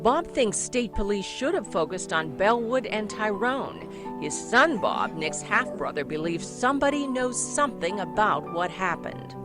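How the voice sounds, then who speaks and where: A woman reporter delivering a scripted local TV news story in a measured voice. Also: mid-range voice, lively intonation. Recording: news clip with music behind.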